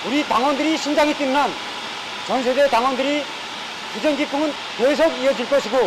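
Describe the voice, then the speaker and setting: A man's voice: very high voice, fairly quick, background noise. A man with a North Korean accent giving a fervent, declamatory rehearsed statement for television. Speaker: party cell secretary interviewee.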